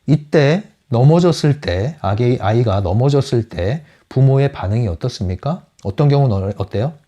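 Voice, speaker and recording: A psychology counselor with a mellow, expressive mid-range voice lectures on a book at a moderate pace. He often throws rhetorical questions at his audience and acts out quotes.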